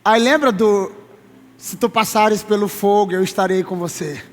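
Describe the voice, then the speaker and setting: A man in his thirties preaching a sermon as pastor, emphatic, slowing down to stress his words and calling listeners brother. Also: sits high, soft background music. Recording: long reverb of a large hall.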